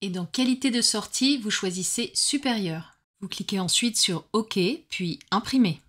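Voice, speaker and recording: A woman hosting a step-by-step crafting tutorial, explaining each stage clearly in a friendly, instructive way. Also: medium pitch, normal speed, fairly bright tone.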